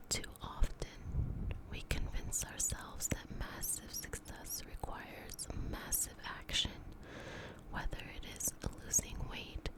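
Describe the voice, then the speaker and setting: Whispering in a calm tone, a woman speaks at a very slow pace over noticeable background noise. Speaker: ASMR artist. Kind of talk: sleep book reading. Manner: whispered; soft-spoken, calm.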